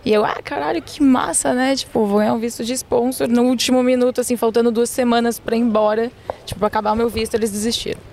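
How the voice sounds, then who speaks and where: A woman's voice: on the high side, fairly even intonation, fast talker, darkish tone. A woman from Florianópolis, a podcast guest telling her story frankly, with slang and swearing. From Florianópolis, Brazil. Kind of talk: casual storytelling. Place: outdoors near a beach.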